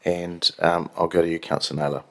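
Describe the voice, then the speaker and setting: A very low-voiced man with a New Zealand accent chairs a council meeting in a council chamber. He moves through agenda items briskly and procedurally, with the odd dry aside. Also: flat delivery, creaky, a bit bright.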